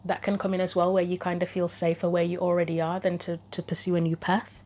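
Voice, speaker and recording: A fast talker with a warm, fairly low voice and a completely flat delivery, she is a tarot reader hosting her own channel. Her casual spoken reading involves thinking aloud through possibilities, while her throat is somewhat troubled and her voice begins to go.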